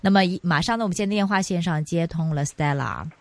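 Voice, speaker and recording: A woman's voice: fairly low pitch, fast, darkish tone, no room sound. Chatty Hong Kong woman co-host. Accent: Hong Kong Cantonese. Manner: chatty, with frequent sentence-final particles. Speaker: radio finance show co-host. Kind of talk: casual chat with guest. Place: radio studio.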